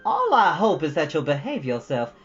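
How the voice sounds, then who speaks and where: A woman's voice: deep voice, very animated, normal speed, dull audio, faint music behind. A woman voicing a stern older guardian from a storybook, brusque, scolding and disapproving. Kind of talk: storybook character voice.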